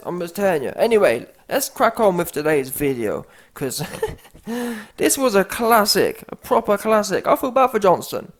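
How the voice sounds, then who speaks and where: A man hosting a comedic reaction video, with animated, mocking and slangy commentary. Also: high voice. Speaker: YouTube host.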